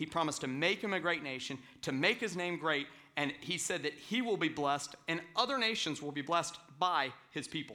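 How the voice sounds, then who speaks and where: Fairly quick and fairly high-pitched, a man talks in a bright, sharp tone with ordinary pitch variation. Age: 40s. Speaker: pastor. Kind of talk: sermon. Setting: church service with congregation. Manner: casual, conversational with filler words.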